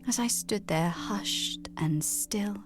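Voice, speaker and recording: A woman performs a romantic, haunted gothic storyteller. Her delivery is slow, soft and breathy, sinking toward a whisper, with faint music underneath. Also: medium pitch, voice pushed down, close to an everyday voice. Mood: eerie, dreamy. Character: hushed, dreamy gothic narrator, haunted and romantic.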